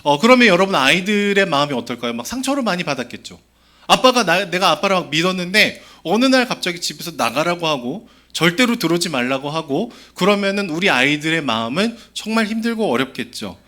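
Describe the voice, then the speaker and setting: A male pastor giving a children's sermon, lively and full of questions to the children. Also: high voice, a little fast.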